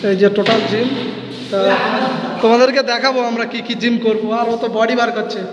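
A young man with a very high voice chats through a phone-held vlog inside a bare, echoing school gym. He rambles and repeats, urging viewers to keep watching, with a long reverb tail and clear background noise around him. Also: fairly even intonation, fairly quick. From India. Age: young adult. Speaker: vlogger. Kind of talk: casual vlog narration. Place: echoey school gym room, indoors. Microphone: phone camera held at arm's length. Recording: echoey room with noise.

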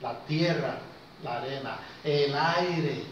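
In a small indoor classroom with a whiteboard, a fairly high-pitched Costa Rican man lectures informally and without hurry. He breaks his speech into short phrases with pauses and asks his listeners questions. The sound, taken by a handheld camera a few metres away, is distant, muffled, noisy and very reverberant.

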